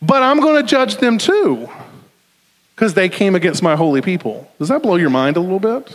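This man speaks fairly quickly with a slight Southern US accent. His high voice swings very widely in pitch. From US South. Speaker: pastor and college professor. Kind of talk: sermon. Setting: church.

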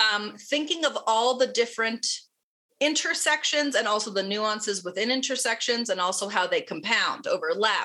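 At a moderate pace, a woman speaks with fairly high pitch, lively intonation and very even loudness. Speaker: podcast co-host. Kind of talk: casual chat.

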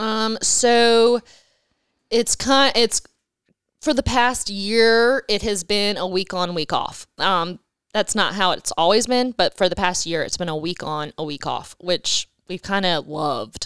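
An ordinary speaking voice moves at a fairly slow pace with lively intonation, in a dry, close sound with no echo. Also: woman, medium pitch for a woman. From US South, Wilmington, North Carolina. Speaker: church ministry administrator and mom. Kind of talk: casual chat.

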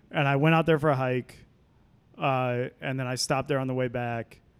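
With an ordinary speaking voice and an American accent, a man talks at a moderate pace in a medium pitch with fairly even intonation, captured in a very clean recording with a silent background. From Texas, Fort Worth. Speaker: brewery manager and beer journalist. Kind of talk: casual chat.

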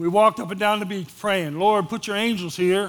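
A man speaks at a fairly quick pace in a voice pitched high for a man. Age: 70s. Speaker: pastor. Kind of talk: sermon. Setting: church.

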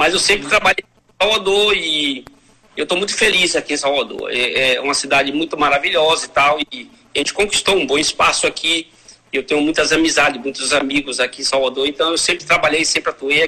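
A man with a fairly high pitch and ordinary pitch variation talks at a fairly quick pace, while noticeable background noise runs underneath. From Bahia, Brazil (Feira de Santana). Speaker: ENT doctor and professor. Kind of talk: interview, casual conversation. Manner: hesitant with repetitions.

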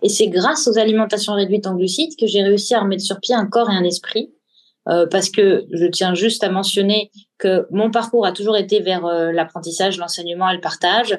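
A woman speaks at a fairly quick pace in an unremarkable speaking voice. Her pitch is medium with ordinary variation, and her loudness stays very even. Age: 30s. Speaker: naturopath. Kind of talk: interview.

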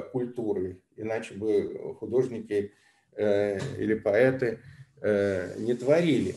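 At a very slow pace, a man talks in a dark, mellow tone. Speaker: professor. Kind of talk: interview. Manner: hesitant, many fillers.

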